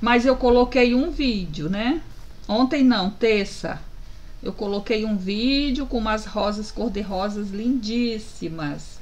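A woman's fairly high, somewhat breathy voice at a very slow pace, with ordinary pitch variation. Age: 50s. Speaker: painting livestreamer. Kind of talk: live painting tutorial with chat. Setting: livestream. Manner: casual and chatty. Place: home room.

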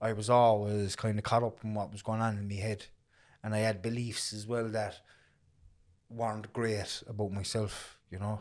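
Someone speaks at a moderate pace in a Cork accent. The intonation is flat and monotone, with a quiet background. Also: man, fairly low pitch for a man. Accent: Cork Irish. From Ireland, Cork. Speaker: podcast host in recovery. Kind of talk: casual chat. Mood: earnest, reflective about hard past. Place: studio.

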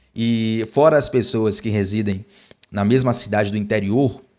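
Over a quiet background, a man with a Brazilian accent speaks in an animated tone at a fairly low pitch, with ordinary pitch variation. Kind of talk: morning devotional sermon. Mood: calm, earnest. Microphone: studio mic.

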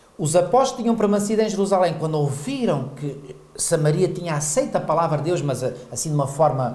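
A man with a fairly high pitch, lively intonation and a fairly quick pace, amid audible room echo. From Mozambique. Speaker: pastor. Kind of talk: Bible study discussion. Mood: emotional, fervent. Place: studio. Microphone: lapel.

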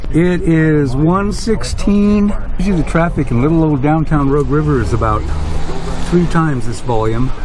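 A man speaks at a moderate pace with lively intonation. The recording is dry with no echo, but background noise is noticeable. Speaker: vlogger. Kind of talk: casual vlog chat. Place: car. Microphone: phone near.

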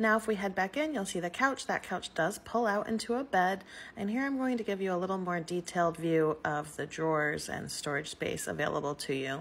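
A woman's lively, fairly quick speech with hardly any pauses. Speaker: travel vlogger. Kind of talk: room tour narration. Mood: upbeat and pleased. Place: home room. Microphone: phone near.

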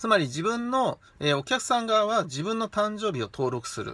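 Raised and projected, a man's high, bright, sharp voice moves at a moderate pace through very wide pitch swings, recorded dry with no echo. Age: 40s. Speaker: internet business analyst; live streamer. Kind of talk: live stream talk. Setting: live video stream. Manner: many filler sounds. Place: home room. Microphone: phone near.

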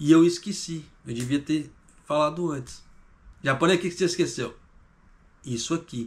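A man with a fairly high, somewhat breathy voice speaks at a moderate pace with ordinary pitch variation and long, frequent pauses. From Brazil. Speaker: YouTuber commenting on news; finance vlogger. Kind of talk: casual news commentary monologue; casual vlog commentary. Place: home room. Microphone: webcam.

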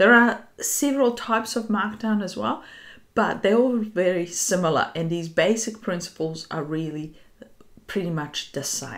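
A woman at a medium pitch and moderate pace, over a quiet background. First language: not English. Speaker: surgeon and software tutorial creator. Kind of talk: tutorial. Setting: screen recording. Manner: explanatory, with occasional hesitations. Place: home room.

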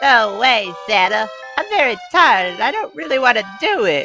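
A cartoonish character voice at a fairly high pitch moves at a moderate pace. Music plays clearly in the background.

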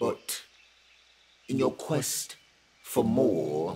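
A man puts on a raspy character voice. His pitch sits fairly low. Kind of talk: solemn spiritual pronouncement. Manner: calm, measured, cryptic.

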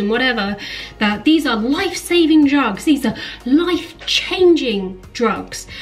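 Over faint music in the background, a woman speaks at a moderate pace. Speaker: vlogger sharing personal health experience. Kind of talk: casual vlog chat. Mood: earnest, reflective, animated. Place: kitchen. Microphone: phone near.

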